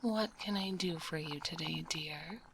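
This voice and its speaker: Woman playing a slow, half-whispering gentle witch. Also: deep voice, slight background noise, heavily acted, rough recording. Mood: coy, welcoming. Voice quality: soft, breathy, half-whispered. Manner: unhurried, soothing, calls listener dear. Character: kindly witch alchemist, older than she looks, gently teasing. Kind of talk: ASMR roleplay. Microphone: close binaural microphone.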